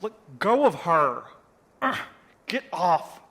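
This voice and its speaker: A man's voice: sits high, very animated, takes it slowly, pushed and bright, heavily acted. A man playing a blunt, exasperated young courier in an audio drama, combative in manner. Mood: alarmed.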